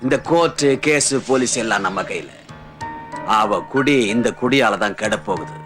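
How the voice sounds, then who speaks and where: An actor playing a cunning male villain who lays out his plans in a measured, commanding way. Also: mid-range voice, lively intonation, a bit bright, soft background music, natural voice. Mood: scheming. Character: cunning older male villain, calm schemer.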